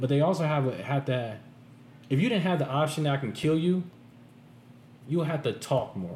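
A man with an American accent has an ordinary speaking voice, talking at a moderate pace with ordinary pitch variation. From Chicago. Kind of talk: casual chat.

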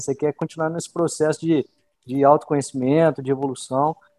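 A man speaks at a very fast pace with a fairly high pitch. The sound is dry and close with no echo, over a quiet background. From Minas Gerais, Brazil. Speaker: factory manager. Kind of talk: interview.

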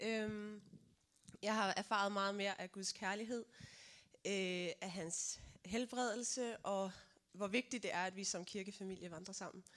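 Long, frequent pauses break up a woman's speech at a fairly slow pace, her medium pitch held in fairly even intonation. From Denmark, North Zealand. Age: 20s. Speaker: trainee pastor. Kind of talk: personal testimony in church. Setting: church service with congregation. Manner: hesitant, many fillers.

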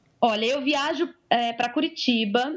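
A high-pitched woman's voice at a fairly slow pace, with ordinary pitch variation. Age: 30s. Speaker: personal trainer and cycle traveller. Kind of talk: interview.

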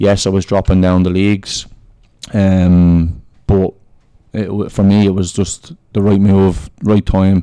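A man's very deep, low, dark and mellow voice in a Dublin accent, very slow with long, frequent pauses, monotone, flat intonation and very even loudness. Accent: Dublin Irish. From Ireland, Dublin. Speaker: football coach, former player. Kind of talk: interview.

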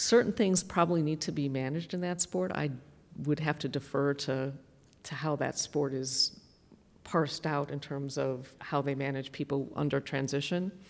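A woman with a very deep, low voice speaks with ordinary pitch variation. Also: moderate pace. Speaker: academic expert. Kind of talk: panel discussion. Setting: stage with audience.

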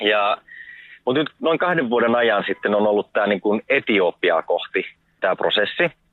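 A man with a plain, everyday voice speaks at a medium pitch and moderate pace, with lively intonation and very even loudness. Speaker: missionary. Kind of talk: phone interview. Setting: phone call from a car.

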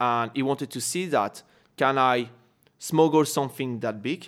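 In a very clean recording with a silent background, a man speaks at a moderate pace and medium pitch. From France. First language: French. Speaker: comedy podcast co-host. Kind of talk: casual comedic chat.

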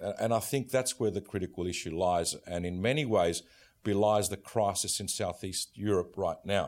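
An Australian-accented man with a fairly low pitch, ordinary pitch variation and a moderate pace, on a very clean recording over a silent background. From Greece, later Australia. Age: 50s. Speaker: former government media advisor, arts director. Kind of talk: panel discussion. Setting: stage with audience.

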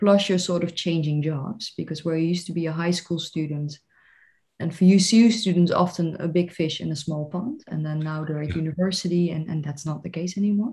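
A woman speaks at a fairly quick pace in a dark, mellow tone. Her voice is somewhat breathy, with fairly even intonation. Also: fairly low pitch for a woman. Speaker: university lecturer and podcast interviewer. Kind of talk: interview conversation.

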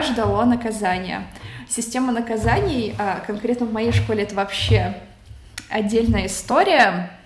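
A woman's fairly high voice at a fairly slow pace, with audible room echo and noticeable background noise. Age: 20s. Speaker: university student. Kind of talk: interview.

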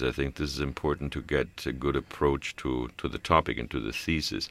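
Speaking at a fairly quick pace, a man with a German accent shows vocal fry. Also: very clean recording, silent background. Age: 60s. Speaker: professor. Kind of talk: interview.

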